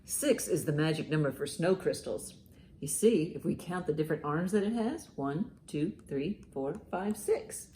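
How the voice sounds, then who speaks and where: A woman hosting a children's storytime, reading and explaining in simple, expressive language meant for young listeners. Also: low-pitched, normal speed, a little hiss or hum. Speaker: children's librarian, storytime host. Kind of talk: children's storytime, reading a picture book aloud and commenting.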